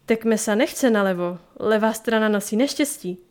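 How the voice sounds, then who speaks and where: A woman's voice: mid-range voice, darkish tone, natural voice. A woman voicing a jumpy, superstitious young slave girl who talks about herself in the third person. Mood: insistent.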